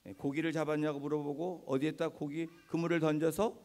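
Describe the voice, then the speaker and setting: A middle-aged male pastor giving a Sunday sermon in a church, telling stories gently and often affirming himself with "ye". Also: a little high, level tone, fairly quick. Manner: gentle storytelling with frequent "ye" affirmations. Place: church sanctuary.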